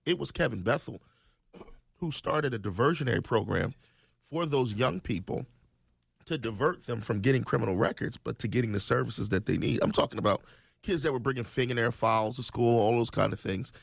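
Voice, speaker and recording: A man's voice: mid-range voice, brisk, creaky, breathy edge, dry recording. A man, a guest in a radio studio, talking earnestly and restarting his sentences often. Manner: earnest, many ums and restarts. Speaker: state legislator guest. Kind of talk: conversational radio interview.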